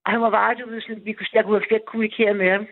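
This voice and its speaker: A woman's voice: mid-range voice, level tone. Rambling woman caller on a phone line. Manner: rambling, repeats herself a lot. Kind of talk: personal storytelling on a call-in show. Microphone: telephone.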